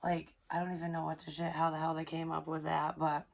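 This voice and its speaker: A hoarse young woman, chatting casually in a rambling psychic vlog, swearing freely and filling pauses with ums. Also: low-pitched, monotone. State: hoarse, recovering from illness. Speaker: psychic medium vlogger.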